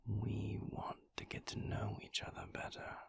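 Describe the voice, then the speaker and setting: A man acts out a refined, seductive vampire lover for an intimate romantic audio roleplay. The voice is very low and mostly whispered, with a heavy gravelly creak. He speaks in a languid, weary way, lingering on formal phrases and leaving long pauses. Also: monotone, no echo, heavily acted. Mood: teasing, seductive.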